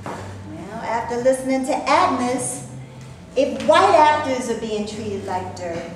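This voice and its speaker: An actress in a staged reading playing a skeptical, sardonic Black actress from the 1930s. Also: female voice, fairly high pitch, animated, slow. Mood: wry. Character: Black actress of the 1930s, wary, wry and outspoken. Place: stage before a live audience. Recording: very echoey room, faint noise.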